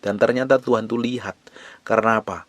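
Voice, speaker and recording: A male pastor preaching a sermon, emphatic, with sudden rising bursts and slow drawn-out phrases. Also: on the low side, steady tone, no room sound.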